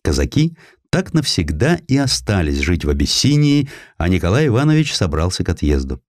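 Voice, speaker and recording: A man reads a historical tale as scripted audiobook narration, with a dramatic, expressive storytelling delivery. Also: sits low, brisk, no room sound, studio quality.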